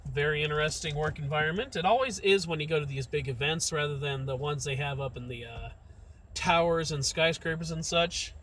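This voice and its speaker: A young man who vlogs as a massage therapist chats casually with his live-stream viewers from inside a car, rambling in a friendly way as he drives. His voice is on the high side and a little fast, and the low-quality recording is full of loud road and car noise.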